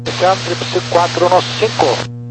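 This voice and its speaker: A man's voice: high voice, fairly even intonation, measured pace. A man working as a pilot, making brief, procedural readbacks and calls over cockpit radio. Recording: noisy aviation radio with hum.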